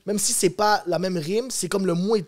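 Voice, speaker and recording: A man in his twenties with a Quebec French accent, talking as a guest rapper in a casual interview, animated and slangy, peppering his speech with "bro". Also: high voice, normal speed. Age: 20s.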